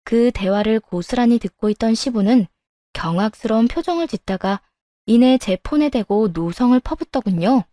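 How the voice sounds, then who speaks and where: A woman tells her own story as a calm first-person narrator. Her voice sits a bit high yet sounds mellow and soft, recorded dry and close. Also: normal speed, no room sound.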